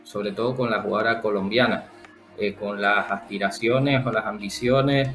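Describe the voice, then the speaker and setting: Canarian man, lowish voice, football agent guest, halting and thoughtful, roomy echo with faint music behind. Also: fairly even intonation, a bit bright. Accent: Canarian Spanish. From Canary Islands, Spain. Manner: thoughtful, halting with many fillers and restarts. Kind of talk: interview guest, casual conversation.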